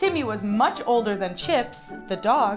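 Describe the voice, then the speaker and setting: Over music in the background, a woman speaks in an upbeat tone. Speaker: host and story reader. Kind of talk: children's story reading. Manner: upbeat, friendly.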